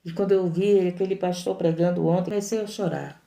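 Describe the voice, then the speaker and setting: A woman's voice: lowish voice, steady tone, fairly quick, vocal fry, dark tone, echoey room. A woman, a missionary preaching a sermon in an impassioned, repetitive, emphatic way.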